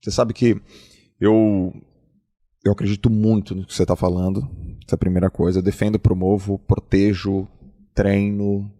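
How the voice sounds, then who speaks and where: A middle-aged man hosting a podcast, talking in an emphatic, animated, conversational way. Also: fairly low pitch, moderate pace. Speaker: podcast host. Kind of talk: casual conversation.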